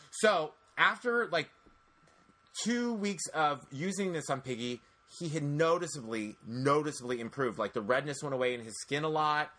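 Man, 40s, podcast host, bright voice, slightly high, chatty storyteller. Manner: chatty, animated storytelling with many restarts. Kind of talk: casual podcast chat.

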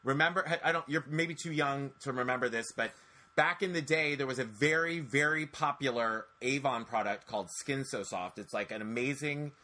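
A man in his forties hosting a podcast, telling stories in a chatty, animated way with lots of restarts. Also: medium pitch, normal speed. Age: 40s. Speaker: podcast host. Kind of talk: casual podcast chat.

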